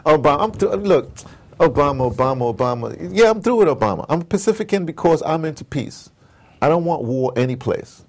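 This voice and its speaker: A middle-aged man being interviewed, telling stories in a casual, animated way, repeating words and wandering off point. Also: on the high side, brisk. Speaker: interviewed audio drama producer. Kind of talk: casual, digressive interview talk. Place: at his home base in New York.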